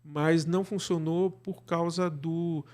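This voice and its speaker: This man speaks slowly in a somewhat high, slightly mellow voice with a steady tone. He's a Brazilian radio drama director being interviewed, explaining in a conversational way and often seeking agreement through small tag questions.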